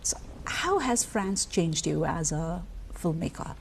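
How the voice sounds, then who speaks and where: A woman's voice: lowish voice, lively intonation, slow, creaky, slight background noise. A woman hosting an interview, asking long, articulate, carefully phrased questions. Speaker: interviewer host.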